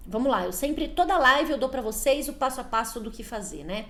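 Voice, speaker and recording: A woman's voice: high-pitched, expressive, fairly bright tone, echoey room. A woman in her forties, a parenting coach, talking casually in a live video to her viewers and acting out little dialogues between parent and child. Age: 40s. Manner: coaching, acts out little dialogues in quick changing voices.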